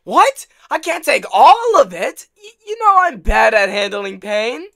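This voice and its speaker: A man's voice: very high-pitched, very animated, a little slow, creaky, bright, forceful tone, dry recording, studio quality, full character voice. A man voicing a cowardly, doting devil husband in a comic dub, stammering and pleading in panic. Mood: frantic protest.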